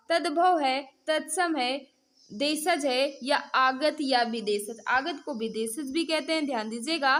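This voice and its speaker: Female online tutor, high voice, interactive mock-test delivery, repeatedly prompting learners and addressing them directly. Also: a bit bright. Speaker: teacher hosting an online exam-prep class. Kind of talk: interactive mock-test lesson, quizzing viewers.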